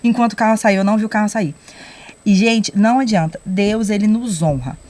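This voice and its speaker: A young adult woman telling a personal faith testimony on a podcast, lively and acting out the lines she quotes. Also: medium pitch, fairly quick. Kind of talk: casual testimony storytelling.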